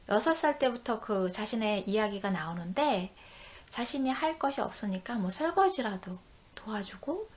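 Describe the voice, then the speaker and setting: A woman talking through a book she has read, in a conversational, explanatory way with frequent fillers. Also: on the high side. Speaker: book reviewer. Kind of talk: book review talk.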